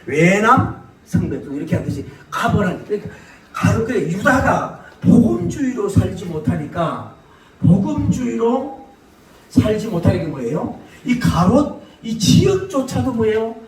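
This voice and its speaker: A middle-aged man from South Korea, preaching a sermon. He shouts questions at the congregation and laughs as he goes. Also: sits high, sing-song, measured pace, crowd noise. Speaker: pastor. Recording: roomy echo, distant mic, faint hiss.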